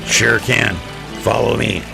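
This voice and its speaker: A man's voice: fairly low pitch, little pitch movement, slow pace, creaky, loud music behind the voice, exaggerated voice. A man acting as a folksy, cooperative sheriff in an audio drama, plain-spoken and easygoing. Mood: agreeable. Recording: noisy ambience behind audio drama dialogue.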